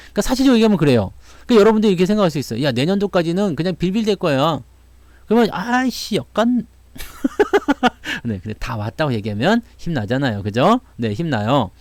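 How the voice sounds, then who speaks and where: Lively chatty Korean man talking stocks. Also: a little high, no echo. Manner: chatty storytelling, acts out quoted voices, laughs often. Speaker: stock market commentator. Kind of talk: casual market talk to viewers.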